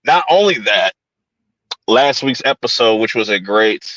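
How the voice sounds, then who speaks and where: A man's voice: on the low side, expressive, unhurried, a bit bright, dry recording, lo-fi sound. A man hosting a horror podcast in casual chat, laid-back and slangy, often repeating his phrases. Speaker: podcast host. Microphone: home streaming setup.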